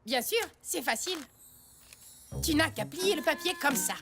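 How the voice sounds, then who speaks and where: High-voiced, confident cartoon boy. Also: expressive, moderate pace, music in the background. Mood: confident, helpful. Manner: upbeat, self-assured, encouraging. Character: Daniel, confident, breezy older boy, helpful playmate. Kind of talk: children's cartoon dialogue.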